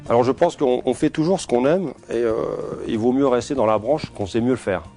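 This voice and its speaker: A man's voice: medium pitch, fairly quick, music in the background. A man in his forties, from Portugal, answering interview questions in a hesitant way, with many fillers and restarts. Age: 40s. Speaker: security company owner.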